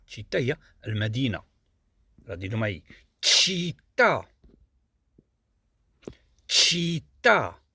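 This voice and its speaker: A man with a Moroccan Arabic accent teaches Italian pronunciation, repeating each word slowly and stressing its sounds. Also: mid-range voice, gravelly, pushed and bright, husky, no room sound. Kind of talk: pronunciation lesson.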